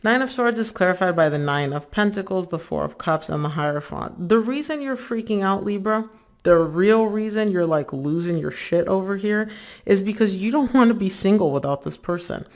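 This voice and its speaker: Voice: medium pitch, lively intonation, moderate pace. A tarot reader giving a casual reading to viewers, chatty and full of filler words, who often acts out the listener's inner thoughts.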